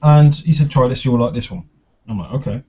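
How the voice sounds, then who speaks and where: A man's voice: medium pitch, lively intonation, a little fast, warm tone, a little hiss or hum. A man co-hosting a casual chat show, chatty and bantering. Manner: chatty, banters and does impressions. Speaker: co-host. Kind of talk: casual chat reviewing vape juice. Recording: muffled lo-fi recording.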